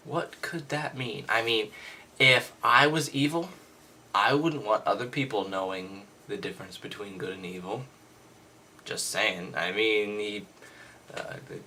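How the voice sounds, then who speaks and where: A man's voice: on the low side, bright, forceful tone, slight background noise. A man reading aloud casually with off-the-cuff commentary in an irreverent, mocking, skeptical manner.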